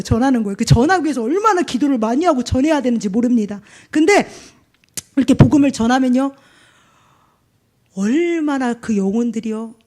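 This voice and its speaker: A woman's voice: sits high, darkish tone. A young woman preacher giving an earnest, emphatic sermon testimony in casual storytelling.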